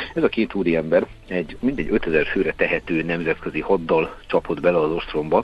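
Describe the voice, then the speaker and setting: With noticeable noise in the background, a man speaks with hardly any pauses. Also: moderate pace. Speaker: historian. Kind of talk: phone interview. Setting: phone call. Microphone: breaking up connection.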